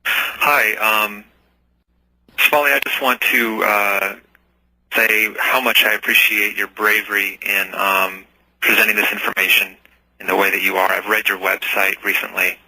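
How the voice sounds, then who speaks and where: Male caller on a phone line, lowish bright voice, lots of ums. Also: little pitch movement, unhurried. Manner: hesitant, many fillers. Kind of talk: call-in question.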